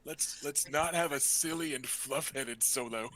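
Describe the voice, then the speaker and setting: A man's voice: medium pitch, a little slow, sharp tone, low-quality recording. A man playing in a tabletop game, chatting and joking as he explains his character choices at length. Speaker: player. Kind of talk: casual chat, building a character.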